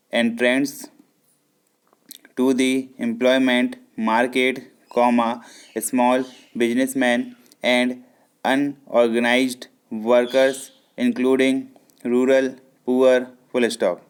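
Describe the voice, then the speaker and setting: A man with an Indian accent reading a shorthand dictation in deliberate short phrases, speaking the punctuation aloud. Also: medium pitch, smooth. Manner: measured, deliberate, phrase-by-phrase delivery with pauses.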